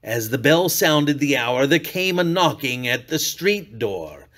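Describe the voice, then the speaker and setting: A man performing a dramatic storybook reading as an unhinged murderer, theatrical, sliding from hushed purring to shrieks. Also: mid-range voice, big pitch swings, a little slow. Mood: sly, gloating. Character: unhinged male murderer, gloating and paranoid, classic villain. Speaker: reader.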